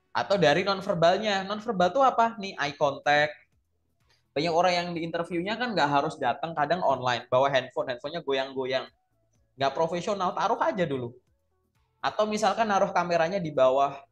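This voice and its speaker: Male coach, pitched a bit high, chatty teaching style that acts out interview answers, faint music bed. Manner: explains by acting out interview answers. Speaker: career coach. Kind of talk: casual coaching talk.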